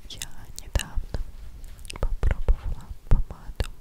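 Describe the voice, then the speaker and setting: A woman is speaking. She whispers. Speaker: ASMR content creator. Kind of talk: ASMR unboxing, casual talk to camera. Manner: whispered, close-mic, soft. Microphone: studio mic.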